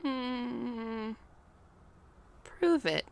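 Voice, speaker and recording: A woman's voice: on the high side, extremely slow, creaky, full character voice. A woman playing a frantic, brash, rambling newcomer stranded in hell in a comedic audio drama. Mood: wary.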